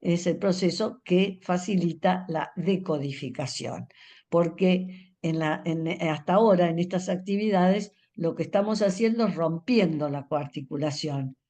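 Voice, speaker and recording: An older woman, lecturing a room of teachers. Her voice sits low and mellow, and she explains step by step. She fills her pauses often and slowly draws out individual speech sounds. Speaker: reading education specialist speaking to teachers.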